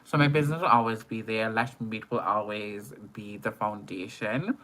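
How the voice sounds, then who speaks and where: A man with an Antiguan accent talking casually on a livestream as a makeup artist, informal and expressive, repeating phrases for emphasis. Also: lowish voice, normal speed. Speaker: makeup artist and live streamer.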